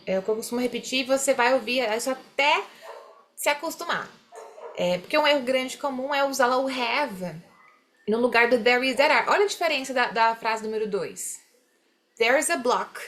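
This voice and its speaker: A young woman leads an online English class with a fairly high voice. She explains things in Portuguese and slows down to model each English word. She keeps checking in with her students. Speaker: English teacher.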